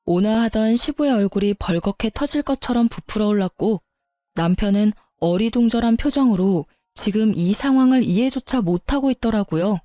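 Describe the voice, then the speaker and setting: A woman's voice: medium pitch, moderate pace, dark tone, dry recording, clean studio sound, soft background music. A woman narrating a true-life story in an indignant, colloquial storytelling manner.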